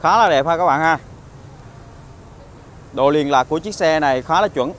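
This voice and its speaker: A man with a southern Vietnamese accent giving an informal used car salesman's walkaround pitch, halting often with hesitations and tag words. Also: a bit bright. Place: outdoor car lot, partly inside a car. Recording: outdoor phone recording with traffic ambience.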